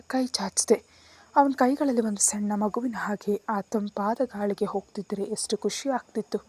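Brief: young female storyteller, soft and emotional, first-person romance read. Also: medium pitch, breathy edge, dry recording. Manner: tender, emotional.

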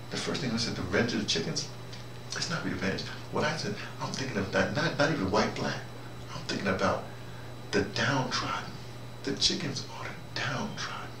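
A middle-aged or older man giving a rambling, opinionated monologue to camera, animated and digressive, often repeating himself as he searches for words. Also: low voice. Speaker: audio drama director. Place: small indoor room or office. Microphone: camera a few feet away. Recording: roomy, distant camera mic, noisy.

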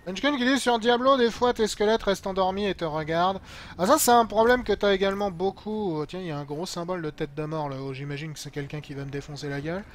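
A game streamer with a high voice talks quickly, offering casual, slangy live commentary with a mildly sarcastic edge. Game sounds and ambience come through clearly beneath his voice.

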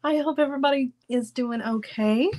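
A woman's voice: high-pitched, moderate pace. A woman in her thirties with a stuffy, congested voice, chatting casually with viewers from her home craft room. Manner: chatty, animated, gestures with hands. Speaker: jewelry-making livestream host. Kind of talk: casual live chat with viewers.

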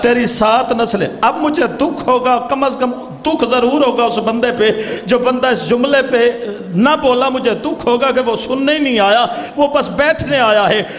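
A man's voice: very high-pitched, moderate pace, few pauses, fairly bright tone. A man with a Pakistani accent giving a devotional storytelling oration, declaiming and urging the crowd to respond. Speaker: religious orator. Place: large gathering hall. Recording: reverberant hall, faint noise.

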